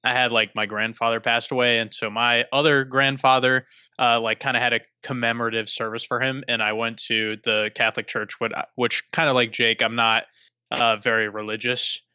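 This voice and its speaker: Bright, crisp-voiced young man. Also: mid-range voice, flat delivery, moderate pace, dry recording, studio quality. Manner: self-deprecating, restarts often. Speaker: podcast co-host. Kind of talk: casual chat.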